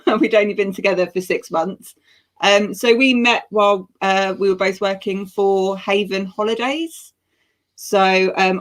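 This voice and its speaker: A woman from England in her thirties, a guest telling her story with frequent laughter over a video call. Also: mid-range voice. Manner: laughs often, lively storytelling. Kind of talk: casual chat.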